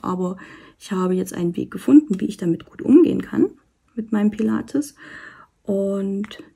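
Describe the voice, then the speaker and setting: A woman vlogger chatting casually while she does a diamond painting, rambling with many fillers and soft asides. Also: medium pitch, creaky, husky. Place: indoors at a table. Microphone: camera over the work table, hands seen.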